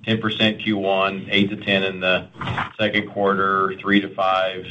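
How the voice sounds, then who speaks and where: A man's voice: low voice, monotone, unhurried, very noisy. A man speaking as an airline executive, answering questions off the cuff on an earnings call, often restarting phrases over a muffled conference line.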